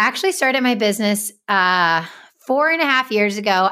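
A woman speaks in a confident, bright and sharp tone with ordinary pitch variation. The recording is very clean, with a silent background. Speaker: life coach and motivational speaker. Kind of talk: interview.

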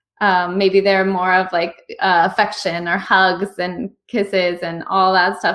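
Her pitch medium and her intonation fairly even, a woman talks in an unremarkable speaking voice. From US, Cuban-American. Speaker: podcast host. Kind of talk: casual interview conversation.

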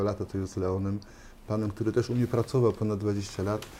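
This man speaks at a fairly quick pace with fairly even intonation. His is a plain, everyday voice. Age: 50s. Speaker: tailor. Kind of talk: interview.

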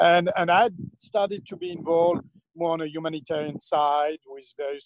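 A man with a fairly high pitch talks at a moderate pace in a normal speaking voice. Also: dry, close sound with no echo. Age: 50s. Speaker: film producer. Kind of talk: interview.

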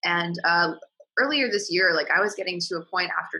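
Music plays in the background. A woman with an American accent speaks at a medium pitch. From US Midwest, Illinois. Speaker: podcaster and social media manager. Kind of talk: casual chat.

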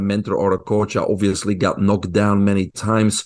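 With a Belgian accent, a man talks at a fairly quick pace in a fairly low pitch, his intonation monotone and flat. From Belgium. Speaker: health and performance expert. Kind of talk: interview.

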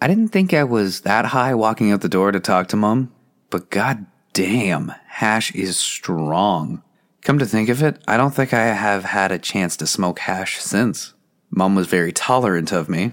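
Against a silent background in a very clean recording, a man speaks in a plain, everyday voice at a fairly low pitch, with ordinary pitch variation and a fairly slow pace. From Canada, Ontario. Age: 30s. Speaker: podcast host. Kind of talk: solo monologue podcast.

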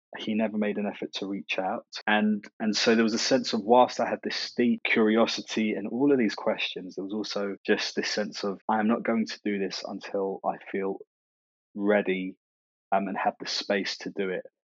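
In a London accent, a man speaks at a moderate pace with a fairly low pitch and monotone, flat intonation. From South London. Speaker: journalist and podcast host. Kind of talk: casual interview chat. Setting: video call.

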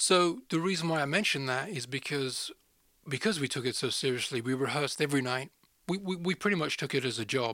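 In a Birmingham accent, a man with a fairly high pitch and a bright, sharp tone talks at a fairly quick pace with ordinary pitch variation on a very clean recording with a silent background. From England, Birmingham. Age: 40s. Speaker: singer and songwriter. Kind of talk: interview about personal story.

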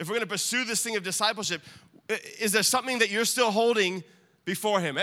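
A man with an American accent talks at a very fast pace in a raised, projected voice with a bright, sharp tone. The recording is very clean, with a silent background. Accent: sounds American despite being Australian. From Australia. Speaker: pastor. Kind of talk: sermon. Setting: church.

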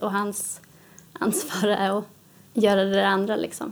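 A woman speaks with a medium pitch. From Sweden, Dalarna. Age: 20s. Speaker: podcast guest sharing personal story. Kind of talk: personal interview, testimony.

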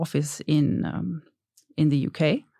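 A woman speaks with a German accent in a dark, mellow tone and fairly even intonation. The recording is very clean, with a silent background. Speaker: knowledge manager at a game studio. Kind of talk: casual chat. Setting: studio.

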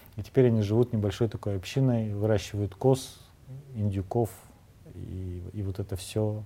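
A dark, mellow, somewhat breathy voice at a moderate pace, with fairly even intonation, long and frequent pauses, and a very clean recording over a silent background. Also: man, fairly low pitch for a man. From Russia, Urals (Nizhny Tagil). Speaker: managing partner of a law firm. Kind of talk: interview conversation.

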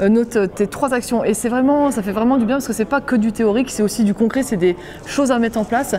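A woman with a fairly high pitch talks at a fairly quick pace while background noise is noticeable. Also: fairly even intonation, very even loudness. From northern France, Dunkirk. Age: 20s. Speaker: property investor. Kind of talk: testimonial.

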